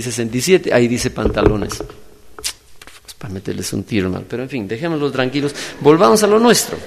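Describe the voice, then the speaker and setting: A middle-aged man with a Peruvian Spanish accent, preaching a sermon in lively storytelling, swinging from hushed to loud. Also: medium pitch, gravelly, in a large hall. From Peru. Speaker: pastor. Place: conference hall.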